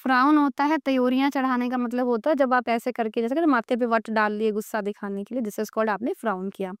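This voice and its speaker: High, clear-voiced woman teaching English. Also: steady tone, dry recording, studio quality. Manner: asks the class questions, then answers them slowly. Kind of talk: classroom-style grammar lesson.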